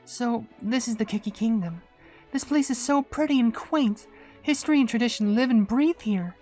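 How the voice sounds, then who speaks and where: A man voicing a polite, earnest young female cookie traveler from a game, in a gentle storytelling way. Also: very high-pitched, moderate pace, soft background music, pitched above the performer's own voice.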